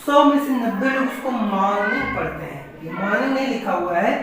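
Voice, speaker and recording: A man teaching an English lesson, spelling words letter by letter and often clearing his throat. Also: high-pitched, expressive, a little fast, very echoey, recorded from a distance, noisy background. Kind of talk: classroom lesson.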